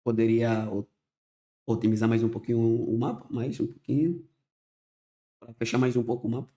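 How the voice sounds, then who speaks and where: A man from Angola with an Angolan Portuguese accent, a podcast guest who explains things in a measured way, with short pauses. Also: medium pitch, fairly even intonation, mellow. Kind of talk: conversational interview.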